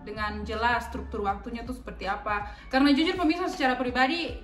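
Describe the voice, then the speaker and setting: A woman from Maluku co-hosting a casual vlog at home, talking lively to viewers and laughing often. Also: on the high side, fast, faint music behind. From Maluku, Indonesia. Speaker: vlog co-host. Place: home room. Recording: echoey room.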